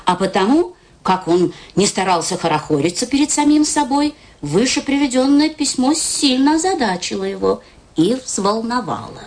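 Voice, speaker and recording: A woman narrating a literary story in a radio play, in an expressive storytelling manner. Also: a little high, moderate pace. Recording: radio play with music underneath.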